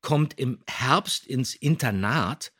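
A man's voice: mid-range voice, animated, takes it slowly, a bit bright. A man in casual podcast conversation, speaking emphatically and repeating his phrases for stress. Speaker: podcast guest and voice actor.

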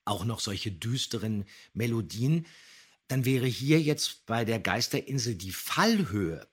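A man's voice: medium pitch, lively intonation, unhurried, breathy edge. A man co-hosting a podcast, thoughtfully explaining his views on audio dramas in casual talk. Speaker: podcast co-host.

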